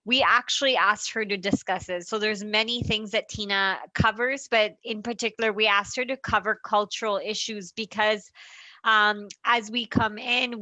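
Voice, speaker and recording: A woman hosting an online webinar over a video call, introducing a guest and talking with many small filler pauses. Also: medium pitch, pushed and bright, dry recording, rough recording. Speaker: host.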